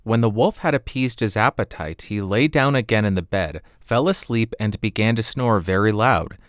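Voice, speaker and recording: A man narrating a fairy tale as an expressive audiobook read on a close studio microphone. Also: lowish voice, moderate pace, no room sound. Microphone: close studio condenser microphone.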